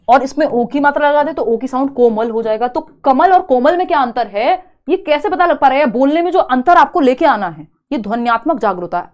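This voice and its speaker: A young woman teaching a live online exam-prep class, chatty and teasing, slowly spelling out word examples. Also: high-pitched. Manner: chatty, teasing students between explanations.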